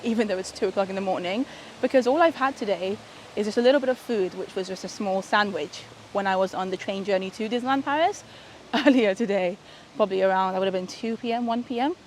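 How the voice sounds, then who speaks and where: A young woman chatting casually in a late-night vlog, tired and a little hoarse, talking to a handheld camera, first outdoors by fountains and then in a hotel room. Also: mid-range voice, quick pace, a little hiss or hum. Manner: chatty, warm and a little tired, with soft laughs. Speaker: vlogger.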